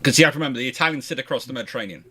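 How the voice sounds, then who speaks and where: A man's voice: medium pitch, racing, pushed and bright, a little hiss or hum. A man hosting a casual history question-and-answer chat, rambling and often circling back to rephrase himself. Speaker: host answering viewer questions.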